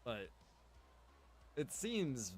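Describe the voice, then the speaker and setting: A man's voice: medium pitch, wildly swooping pitch, extremely slow, husky, faint music behind. A man giving casual, rambling livestream commentary while gaming, repeating phrases for emphasis. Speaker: game streamer and roleplay server co-owner.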